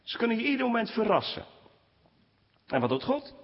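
A man preaching a sermon to his congregation, speaking with animated swings in pitch. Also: fairly quick. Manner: animated preaching, rising pitch when quoting complaints. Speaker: pastor. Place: church. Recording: dull sound with long church reverb.

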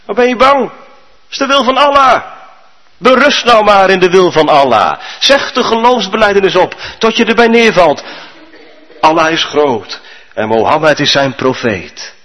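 A man's voice: high-pitched, very animated, measured pace, a bit bright, voice pushed up, heavily acted. A preacher voicing a male prophet who insistently commands submission, in a reverberant church.

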